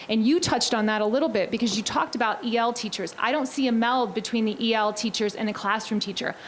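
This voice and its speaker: Over noticeable background noise, a woman talks at a very fast pace in an animated, passionate tone with hardly any pauses. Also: fairly high pitch for a woman, ordinary pitch variation, very even loudness. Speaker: reading specialist. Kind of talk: panel discussion.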